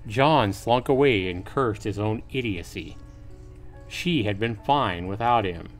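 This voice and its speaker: A man's voice: fairly low pitch, a little slow. A man hosting a livestream, reading a visual novel aloud as a narrator with casual asides. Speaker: livestream host. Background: faint music.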